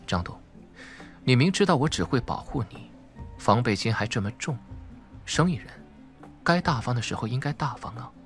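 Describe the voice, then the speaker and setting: A man voicing a suave, mocking young businessman in an audiobook, sardonic, smooth in manner and unafraid. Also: medium pitch, animated, normal speed, long pauses, soft background music, close to an everyday voice. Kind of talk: audiobook character acting.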